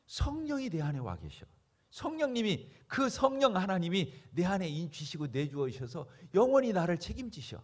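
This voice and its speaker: Animated Korean pastor preaching. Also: male voice, high voice, normal speed. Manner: emphatic, rhetorical questions to the congregation. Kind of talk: sermon.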